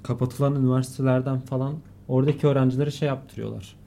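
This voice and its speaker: A man's voice: mid-range voice, flat delivery, fast talker, creaky, warm tone, slight background noise. A man co-hosting a casual podcast chat who mostly gives short reactions and brief comments. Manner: short reactive replies and laughter. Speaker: podcast co-host.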